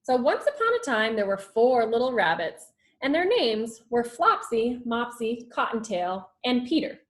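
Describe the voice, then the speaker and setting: Female schoolteacher for a children's read-aloud: fairly high, animated, expressive, with chatty asides. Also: measured pace. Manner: expressive, with asides about the pictures. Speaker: schoolteacher reading to her class.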